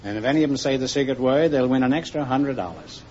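A man hosting a quiz show, teasing the contestants with wry, deadpan quips, heard on a dull old broadcast recording. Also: mid-range voice, quick pace. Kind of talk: wisecracking quiz host banter.

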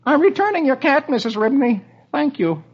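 Man playing a harried blustering husband, loud and exasperated, high strained voice, old radio comic reading, dull lo-fi. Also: sing-song, moderate pace, slight background noise. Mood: relieved.

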